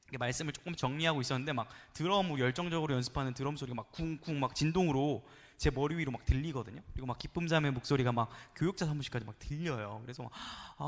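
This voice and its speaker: A man preaching a playful, animated sermon to a youth congregation, sometimes acting out voices and calling on the listeners to respond. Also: a little high, long reverb tail. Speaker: youth pastor. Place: church sanctuary.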